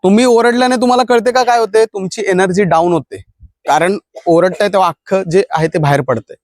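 A man coaching a group of women runners outdoors, speaking firmly as he lectures them on how to run, shout and recover. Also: sits high, a little fast, dry recording, clean studio sound. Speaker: police recruitment fitness coach.

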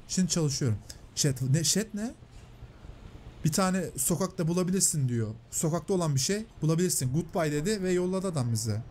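Guy doing lets play commentary, bit high voice, chatty and excitable, faint noise behind. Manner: chatty, excitable, translating and paraphrasing on-screen lines. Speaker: gameplay commentator. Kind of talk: let's play commentary, reading game dialogue aloud.

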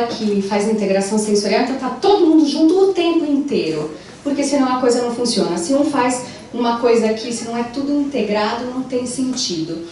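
A young adult woman with a Brazilian Portuguese accent, giving an animated conference lecture as a psychologist through a handheld mic. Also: a little high, a little hiss or hum. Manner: animated, gestures while walking the stage. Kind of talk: conference talk. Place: large wood-panelled lecture room. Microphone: handheld mic, far camera. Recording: echoey room recorded from far off.

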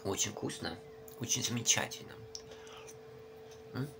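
A man's voice: on the low side, lively intonation, unhurried, creaky. A man chatting casually to his viewers while eating, talking with his mouth full of porridge. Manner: chatty, addresses viewers as girls and boys. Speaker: mukbang vlogger. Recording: loud background noise.

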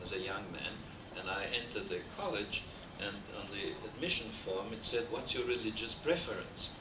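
A man's voice: fairly low pitch, normal speed. Older Austrian-accented male lecturer, discursive and wry, recorded from a distance in an echoey hall on old noisy videotape. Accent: Austrian German. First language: German. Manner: discursive, frequent hesitations, dry humor. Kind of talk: academic lecture. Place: wood-paneled lecture hall. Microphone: desk mic on stand. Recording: roomy, distant, noisy VHS transfer.

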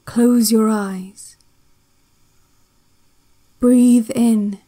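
Female relaxation-tape guide, audio drama: higher voice, very unhurried, measured, quietly controlling and ominous. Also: fairly even intonation. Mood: calm, hypnotic. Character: calm, controlling woman narrator of an institutional relaxation tape. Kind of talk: slow guided-meditation narration in audio drama. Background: ambient music.

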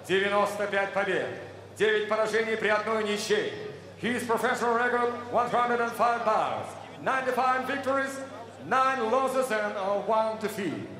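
A man working as an arena announcer, introducing fighters from the ring in a booming, drawn-out showman delivery. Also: a bit bright. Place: boxing ring in a large indoor arena. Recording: echoey arena hall with faint noise.

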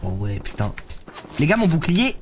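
A man's voice: fairly high pitch, big pitch swings, normal speed, background noise. Slangy young man streaming, stuffy cold. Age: young adult. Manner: slangy, loose, talks to chat while playing. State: congested with a head cold. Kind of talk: live gameplay streaming, chatting with viewers. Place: streaming room, seated in a gaming chair.

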